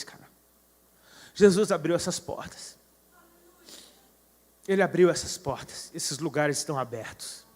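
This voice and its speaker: A man with a fairly high voice preaches, telling a personal story that rises into fervent proclamations. His words ring out with a long reverb tail. He sounds middle-aged. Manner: storytelling, building to fervent declarations. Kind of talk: sermon.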